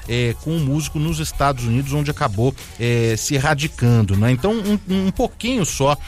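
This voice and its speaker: A male radio presenter talks through a feature in an easy, chatty way, with a mid-pitched voice. He strings his story along with fillers and asides. Soft music plays faintly under the broadcast sound. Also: lively intonation, moderate pace.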